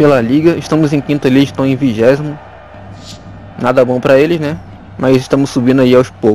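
Over noticeable background noise, a man with a Brazilian accent talks at a fairly quick pace in an animated tone, with long, frequent pauses. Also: medium pitch for a man. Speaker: gaming youtuber. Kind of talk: gameplay commentary. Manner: casual, animated.

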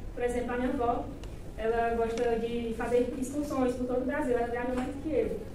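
A woman speaks in a high pitch with monotone, flat intonation. Audible room echo and noticeable background noise are present. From Tocantins, Brazil. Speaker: law student. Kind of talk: student project presentation. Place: classroom. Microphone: camera far.

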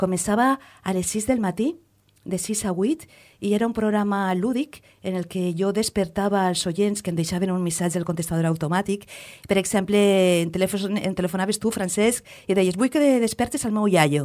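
A moderate pace with ordinary pitch variation over a quiet background. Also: woman. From Valencian Country, Alcoi; Valencian Country. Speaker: radio journalist; radio journalist interviewee. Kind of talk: interview; scripted narration. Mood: warm, smiling. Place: studio.

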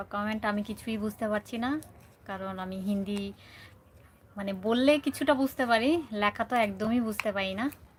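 A woman speaks with a fairly high pitch and a somewhat breathy quality. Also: ordinary pitch variation. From Bangladesh, Gazipur. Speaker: vlogger. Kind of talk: livestream chat. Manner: halting.

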